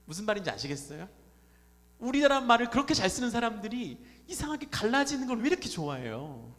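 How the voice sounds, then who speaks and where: A man's voice: extremely high pitch, big pitch swings, fast, fairly bright tone. A man preaching a Sunday sermon as pastor, talking conversationally and putting questions to the congregation. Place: church sanctuary. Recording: reverberant church hall.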